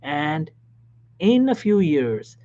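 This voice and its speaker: A man, a physician, giving career advice in a motivational talk, emphatic and repetitive, dropping now and then to a soft whisper. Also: a little high, sing-song, drawn-out words. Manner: emphatic, repeats key phrases, drops suddenly to soft whispers. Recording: dull lo-fi recording.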